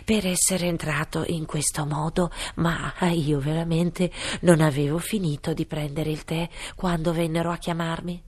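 A flustered hatter stumbles over his words in a slow, trembling, high-pitched voice, as a woman puts him on. Every answer is hesitant and broken by stammers. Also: little pitch movement, darkish tone. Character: nervous, flustered man hatter on trial.

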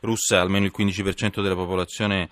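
Low-voiced male radio news host, dry sound. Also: flat delivery, fast talker, a bit bright, no room sound. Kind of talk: live morning news interview.

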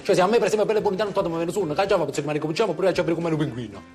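A man's voice: fairly high pitch, rapid-fire, a little mellow, natural voice. A man playing a cheeky young Neapolitan who talks in blunt street slang, in comic film dialogue. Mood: cheeky, stubborn.

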